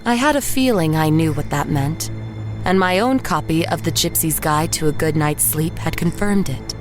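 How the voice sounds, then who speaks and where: Actress as uneasy woman artist, slightly low voice, wistful and resigned, measured first-person drama narration, music behind. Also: close to an everyday voice. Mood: uneasy, brooding.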